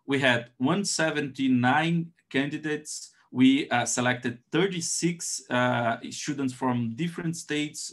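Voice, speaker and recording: A man with a Brazilian accent and Portuguese as his first language, presenting slides on a video call as an academic, in a hesitant, halting way. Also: medium pitch, fairly bright tone.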